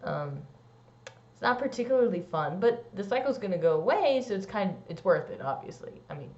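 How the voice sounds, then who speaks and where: A young trans man vlogging a casual personal update, rambling with lots of "like" and "um" and swooping into squeaky high bits. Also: sing-song, brisk, darkish tone. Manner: rambling, many likes and ums. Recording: dull lo-fi sound.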